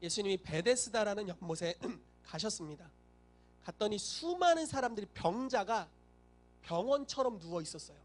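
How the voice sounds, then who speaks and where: A man's voice: sits high, lively intonation, normal speed, soft background music. A male pastor preaching a sermon, telling the story animatedly and acting out the voices he quotes.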